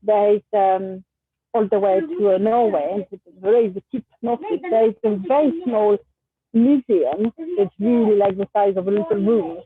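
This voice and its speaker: A woman from France, a native French speaker with a French accent, telling a casual anecdote in a halting, discursive way. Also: mid-range voice. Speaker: session participant. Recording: tinny phone-like line, dry.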